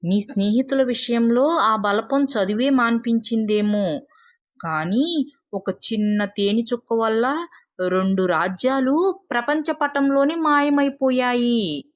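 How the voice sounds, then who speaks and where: A woman takes the part of a wise old grandfather in a storybook. The delivery is measured and instructive, in a fairly high register for the part. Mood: knowing. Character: wise old grandfather telling a cautionary tale.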